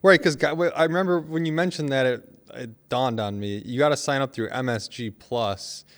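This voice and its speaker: A man co-hosting a casual talk show, explaining things in a halting way and repeating himself. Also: medium pitch. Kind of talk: casual chat.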